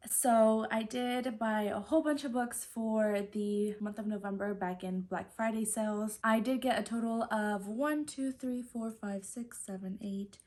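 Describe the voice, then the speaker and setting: A woman's voice: fairly high pitch, fairly even intonation, measured pace, hardly any pauses, a little mellow. A woman whose first language is Spanish, chatting casually about a stack of new books and filling her talk with "like" and "so". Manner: chatty, fills with "like" and "so". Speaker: book vlogger. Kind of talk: casual book haul chat.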